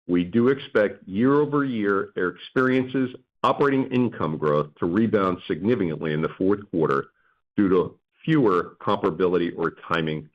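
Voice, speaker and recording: A man reading scripted financial remarks formally as a company executive on an earnings call. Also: lowish voice. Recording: dull lo-fi conference call audio.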